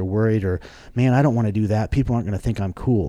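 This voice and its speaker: In a dark, mellow tone, a man speaks very fast. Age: 40s. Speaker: podcast host. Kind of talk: casual chat.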